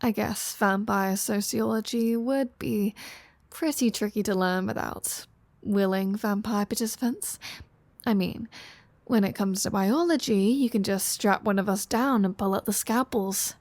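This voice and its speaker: A teasing, sardonic vampire woman, played by a woman, talks straight to the listener in an intimate audio roleplay. She takes her time, with a casual, flirty manner and a mid-range pitch. The sound is very dry, with no room around it. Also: a little mellow, no room sound. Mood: casual explaining. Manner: teasing, casual, sardonic, with sighs and drawn-out phrasing.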